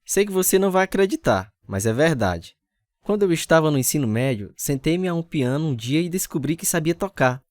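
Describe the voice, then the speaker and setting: A man acting as an earnest, troubled young Bible college student who tells his story in a measured, confessional radio drama style. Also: fairly high pitch, sing-song, no echo, studio quality. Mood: friendly. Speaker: narrator and lead actor. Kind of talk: dramatized first-person radio testimony. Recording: music under the voice.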